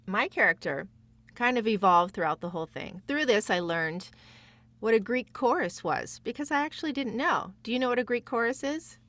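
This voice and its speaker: A woman's voice: fairly high pitch, animated, normal speed, fairly bright tone, no room sound. Chatty, giggly woman sharing stories. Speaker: guest voice actress. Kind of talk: casual animated storytelling.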